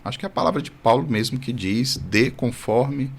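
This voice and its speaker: A man who is a priest, a podcast guest born in Brazil, telling his story in an earnest, animated way with light humor, recorded in a studio. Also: medium pitch, moderate pace, slight background noise. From Brazil, born in Salvador. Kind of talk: testimony in casual conversation.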